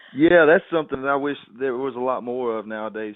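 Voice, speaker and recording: In a strong Texan accent, the speaker moves at a fairly quick pace with ordinary pitch variation. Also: man. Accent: Texas accent, strong. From Texas. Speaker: country musician. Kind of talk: interview. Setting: phone call. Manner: halting, many fillers.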